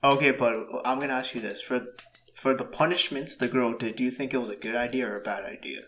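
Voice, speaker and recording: A man co-hosting a casual podcast, with a voice of middle pitch. He asks a lot of questions and keeps restarting his sentences, with plenty of fillers. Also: steady tone, quick pace, fairly bright tone, a little hiss or hum. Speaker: podcast co-host. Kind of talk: casual chat. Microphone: home podcast mic recorded in audio software.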